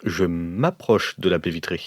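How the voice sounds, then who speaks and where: Low-pitched man playing a tabletop game. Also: unhurried. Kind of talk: casual improvised game chat.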